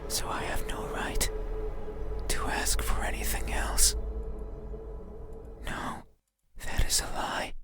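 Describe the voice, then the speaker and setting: A performer voicing a menacing, pleading demon in a horror game, whispering slowly, intimately and insistently in an ASMR style. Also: over music, natural voice. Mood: wounded. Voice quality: breathy unvoiced whisper. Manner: slow, deliberate, intimate, insistent.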